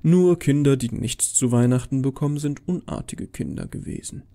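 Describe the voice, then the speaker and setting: A man's voice: mid-range voice, lively intonation, moderate pace, creaky, warm tone. A man reading a first-person horror story as a dramatic, scripted narration.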